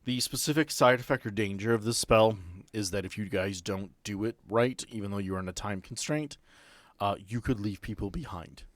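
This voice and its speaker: A man acting as game master, narrating and explaining a tabletop game in a deliberate, explanatory way. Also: on the low side, no echo.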